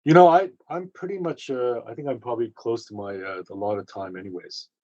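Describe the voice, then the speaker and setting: A man presenting remotely over a video conference call, explaining at ease with many filler pauses. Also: mid-range voice, darkish tone. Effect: heard over a video conference call. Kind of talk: casual presentation talk. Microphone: computer mic on a video call. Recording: muffled, lo-fi conference call audio.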